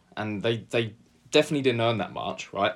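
Speaking at a fairly quick pace, a man with a British accent has a medium pitch. The recording is very clean, with a silent background. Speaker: podcast co-host. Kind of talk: casual banter chat. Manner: joking, irreverent.

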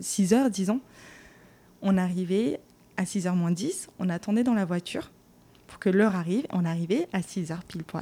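Speaking at a moderate pace, a woman has a medium pitch, a dark, mellow tone and fairly even intonation. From Japan and Montreal, French schools. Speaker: podcast guest. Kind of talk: casual interview. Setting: guest's home. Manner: hesitant with fillers.

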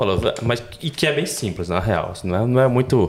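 A man talks with an ordinary speaking voice. His pace is moderate and his pitch variation ordinary. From Natal, northeastern Brazil. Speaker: tattoo artist. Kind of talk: casual chat. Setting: studio.

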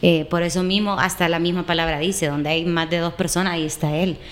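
Talking at a very fast pace with monotone, flat intonation, a woman with a Salvadoran accent is heard over noticeable background noise. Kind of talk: casual faith-based chat.

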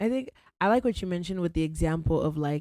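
A woman talks at a very fast pace in a fairly low pitch, her tone dark and mellow, the sound dry and close with no echo. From Ghanaian family, born in Italy, lives in Georgia US. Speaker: podcast host. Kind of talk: casual chat, podcast interview.

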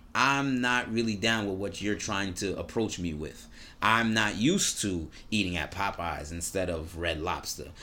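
In a room with audible echo, a man talks at a moderate pace in a fairly low, bright, sharp voice with ordinary pitch variation. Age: 20s. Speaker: podcast host. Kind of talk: casual monologue. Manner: animated.

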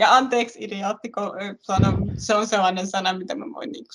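With a normal speaking voice, a woman talks at a moderate pace, her medium pitch carried by lively intonation. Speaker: podcast host with epilepsy. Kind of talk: casual chat.

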